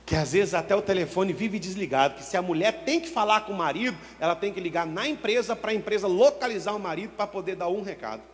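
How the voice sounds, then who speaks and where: A pastor from Brazil preaching a sermon, with sudden swings in pitch and loudness as he acts out his church members. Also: animated, quick pace, few pauses, in a large hall. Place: church hall.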